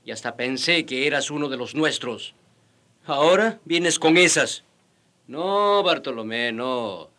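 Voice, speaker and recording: A man's voice: mid-range voice, animated, unhurried, bright, forceful tone. An actor playing a fiery, indignant indigenous rebel in a radio drama, challenging his friend in colloquial speech. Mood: bitter reproach. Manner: challenging, rhetorical questioning, colloquial.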